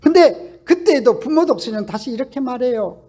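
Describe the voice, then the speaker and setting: A man preaching a Sunday sermon as pastor, telling stories with swings between loud calls and hushed asides. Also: extremely high pitch, brisk. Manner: animated storytelling with shifts between shouts and hushed asides.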